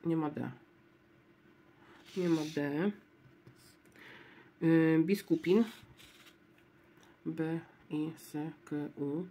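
A woman casually commenting as she scratches word-game lottery tickets, spelling out letters one at a time in a low-key murmur. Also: steady tone, drawn-out words, long pauses, dark tone, slight background noise. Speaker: lottery scratch-card vlogger.

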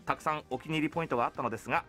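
A man hosting a radio show in a studio, talking and reading out mail in a polite, expressive way. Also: on the high side, rapid-fire. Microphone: studio boom mic. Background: faint background music.

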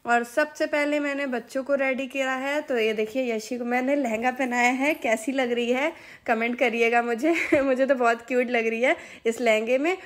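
A woman's voice: sits high, steady tone, moderate pace, hardly any pauses. A woman in her thirties with a Hindi accent, narrating a family vlog into a handheld phone and explaining each step to her viewers. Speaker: family vlogger.

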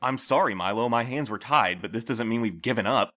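A man playing a calm, patient middle-aged postmaster who interviews new couriers, speaking gently and in a measured way. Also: medium pitch, natural voice. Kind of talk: audio drama acting.

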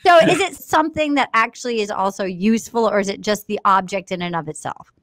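A woman's voice: mid-range voice, lively intonation, fast, a bit bright. A woman in her thirties chatting casually as a contestant in an online guessing game. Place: home room on a video call. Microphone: desk microphone close up.

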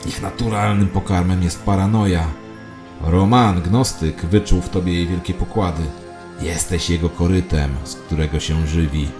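A man's voice: low-pitched, steady tone, moderate pace, over music, natural voice. A man voicing a knowing hologram phone clerk who reveals a cosmic conspiracy in a cryptic, authoritative audio drama monologue. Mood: ominous, knowing.

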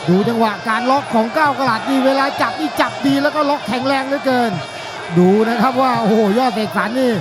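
A man giving excited boxing commentary, explaining tactics in flowing phrases with exclamations. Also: very high voice, fast talker. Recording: loud music and crowd behind. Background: loud crowd and music at a televised fight.

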